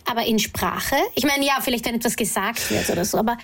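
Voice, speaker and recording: Fairly high-pitched actress. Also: female voice, fast talker, vocal fry, fairly bright tone. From Austria. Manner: thoughtful, hesitant, many restarts. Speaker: actress and radio guest. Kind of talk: casual radio interview.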